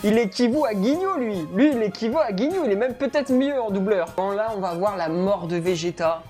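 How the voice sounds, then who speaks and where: A woman giving casual reaction commentary in an expressive, exclamatory, colloquial way, as a video host. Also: mid-range voice, brisk, soft background music.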